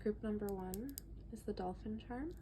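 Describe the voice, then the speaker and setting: A tarot reader with a mid-range voice speaks at a moderate pace over a noisy background. Her reading is casual, chatty and relaxed, and she reads book passages aloud. She has a stuffy nose and sounds slightly out of breath.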